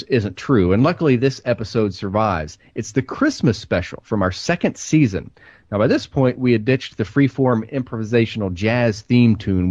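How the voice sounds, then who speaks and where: Male comedy presenter, straight-faced scripted patter, lower register, dry and slightly dull sound. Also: no room sound. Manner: deadpan. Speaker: comedy show co-host. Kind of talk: scripted mock-serious radio introduction.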